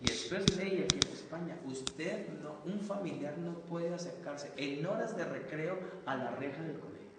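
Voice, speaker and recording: A man's voice: a little high, normal speed, few pauses. A man, a pastor, teaching church teachers in an earnest, conversational way, often calling his listeners brother. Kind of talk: informal church teaching talk. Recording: echoey hall, distant mic, faint noise.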